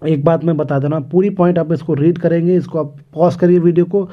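A man teaching an exam lesson on English literature, reading English passages slowly and explaining them with many hesitations. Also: on the high side, fairly even intonation. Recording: dull lo-fi recording.

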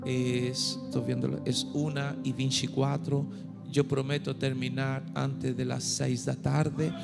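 A middle-aged man from Chile with a Chilean Spanish accent, preaching a humorous sermon into a handheld mic on a church stage and urging the crowd to shout. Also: medium pitch, level tone, slow, gravelly. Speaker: guest pastor. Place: large dark church stage. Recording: long hall reverb with music behind.

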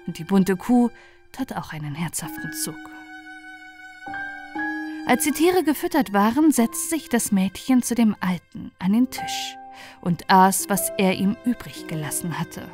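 A woman's voice: mid-range voice, lively intonation, a little slow. A woman reading a scripted bedtime fairy tale as an audiobook narrator. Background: faint music.

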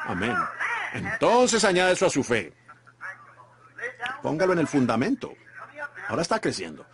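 Emphatic male preacher, lively pitch. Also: moderate pace, background noise. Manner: emphatic preaching with rhetorical "¿ven?" asides and repetition. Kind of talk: sermon.

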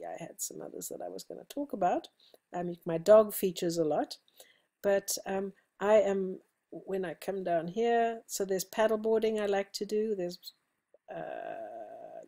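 A middle-aged woman with a South African accent talks to her students through a webcam recording at her desk. Her voice sits a little low, and she speaks in a relaxed, conversational way, with ums and restarts. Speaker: college instructor. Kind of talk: friendly self-introduction screencast. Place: indoors at a computer, seated.

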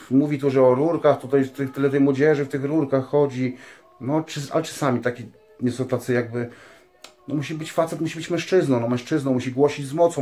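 A man's voice: mid-range voice, dark tone. A man speaking earnestly in a casual spiritual monologue, rambling with many fillers and tag questions and calling his listeners dear ones. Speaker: religious vlogger.

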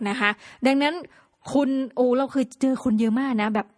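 A woman hosting a podcast tells stories in a chatty, playful way, full of lively little exclamations. Her voice sits a bit high. The sound is close and dry. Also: normal speed, no echo. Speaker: podcast host. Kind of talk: casual solo podcast talk.

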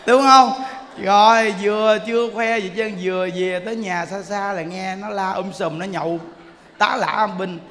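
A Buddhist monk, giving a sermon as a lively storyteller who often asks his listeners "see?". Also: high voice, moderate pace, long reverb tail. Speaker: Buddhist monk teaching dharma. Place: temple hall.

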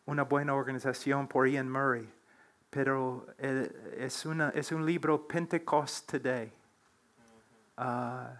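A middle-aged man answering questions on a church panel in a slow, earnest, preacherly way that builds to emphatic exhortation. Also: medium pitch, steady tone, a bit bright. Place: church platform, seated before a large wooden cross.

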